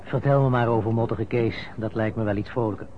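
An actor playing a curious, familiar companion who prompts a friend for tales in a conversational Dutch radio play. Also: male voice, mid-range voice, steady tone, a little fast, highs cut off, close to an everyday voice. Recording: faintly noisy radio play recording.

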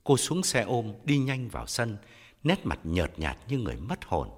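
A man reading a story aloud in a dramatic style, expressive and shifting to loud angry character voices. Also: medium pitch, moderate pace, breathy edge. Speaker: audiobook narrator. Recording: long hall reverb with faint music.

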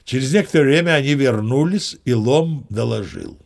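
A man's voice: mid-range voice, lively intonation, moderate pace, vocal fry. An actor playing a boastful old sea captain who narrates his tall tales with chatty, old-fashioned courtesy. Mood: storytelling. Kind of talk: audio play narration.

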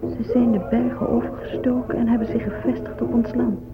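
A woman's voice: a little high, flat delivery, fairly quick, close to an everyday voice. A woman playing a sorrowful, dignified Native American lamenting solemnly in a radio drama. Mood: bitter sorrow. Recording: muffled, phone-like old radio recording. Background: prominent music.

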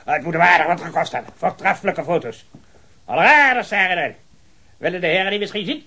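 An actor playing a jovial, talkative, hard-of-hearing old retired colonel who rambles heartily in a radio drama. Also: male voice, high-pitched, lively intonation, fast, pushed and bright, husky, heavily acted. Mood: cheerful, rambling. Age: older. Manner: rambling, hearty, with repeated affirmations and chuckles.

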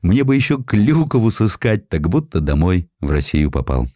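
A man's voice: low-pitched, big pitch swings, moderate pace, dark tone, no room sound, clean studio sound. Man voicing a folksy, homesick big young hussar. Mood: delighted homesick longing. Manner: folksy, exclamatory, plain-spoken. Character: huge young Russian village-born hussar, simple and homesick.

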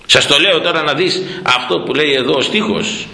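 A man, a priest, preaching a sermon as animated storytelling, asking rhetorical questions and repeating words. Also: a little high, vocal fry, roomy sound, low-quality recording. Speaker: priest, former head of a parish church.

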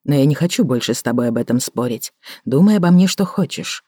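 A woman narrator voicing a calm, restrained man who speaks quietly and in a measured way. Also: very deep voice, dry recording, studio quality. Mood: restrained, soft. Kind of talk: audiobook character voicing.

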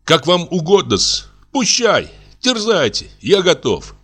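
A man's voice: high-pitched, very animated, slow pace, a bit bright, breathy edge, soft background music, voice pushed up, full character voice. A man playing a whiny, sarcastic village medic. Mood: mock-humble. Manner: whining, mock-humble, sarcastic. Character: insolent, self-pitying village medic, a young man.

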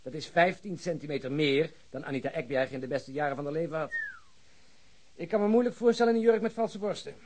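An actor playing a sceptical police detective with dry, sardonic remarks in a radio play. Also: male voice, on the high side, quick pace, darkish tone, close to an everyday voice. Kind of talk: Dutch radio drama acting.

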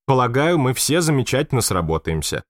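A man voicing a polite, eager young upper-class Englishwoman, raising his pitch to sound girlish in an audiobook reading. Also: big pitch swings, brisk, no room sound, clean studio sound, natural voice. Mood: polite, earnest.

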